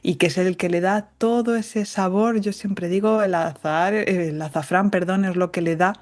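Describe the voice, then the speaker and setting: A woman's voice: lowish voice, steady tone, normal speed, darkish tone. A woman from Spain with a light La Mancha accent, a Spanish teacher and podcast guest who speaks with careful articulation and a joking, chatty manner. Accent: light Castilian Spanish from La Mancha. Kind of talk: casual conversational interview.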